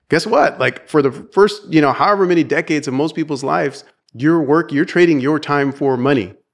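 Fairly high in pitch, a man has an unremarkable speaking voice. He talks at a fairly quick pace with ordinary pitch variation. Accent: American. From Texas. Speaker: real estate investor and home inspector. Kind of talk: casual interview.

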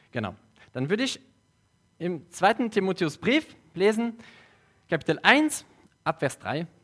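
The speaker's pitch swings very widely, broken by long, frequent pauses. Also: man, high pitch for a man, fairly slow pace. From Switzerland, French-speaking. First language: French (speaking German). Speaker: lay preacher. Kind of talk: sermon. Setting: church service, also streamed online.

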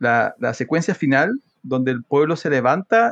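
With a plain, everyday voice, a man at a fairly high pitch speaks at a moderate pace with lively intonation, the sound dry and close with no echo. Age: 30s. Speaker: podcast co-host. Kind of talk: casual chat.

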